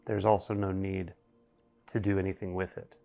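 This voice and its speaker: A man with a low voice leads a guided meditation over faint music. His delivery is very even, with little melodic movement. He speaks in short, deliberate phrases, leaving long pauses between them. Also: vocal fry.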